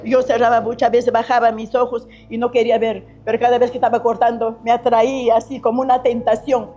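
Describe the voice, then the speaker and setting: A middle-aged woman gives her personal faith testimony earnestly and repetitively, frequently restarting sentences. Her voice is a little high and mellow, with little pitch movement and a fairly quick pace. The recording is slightly muffled, with faint music.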